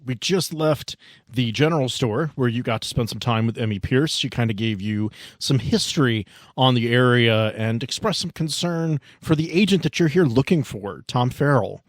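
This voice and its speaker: A man's voice: medium pitch, moderate pace, no echo, clean studio sound. A man running a tabletop game as game master, recapping the story with playful, teasing asides.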